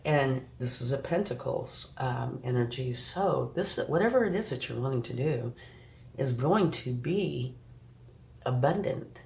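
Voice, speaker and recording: A woman's voice: rumbling low, animated, measured pace, creaky, darkish tone. A woman giving a tarot reading straight to the viewer, reassuring and sniffly from a recent flu. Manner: reassuring, addresses the viewer directly, frequent "okay" and "right". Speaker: tarot reader. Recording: echoey room with faint background noise.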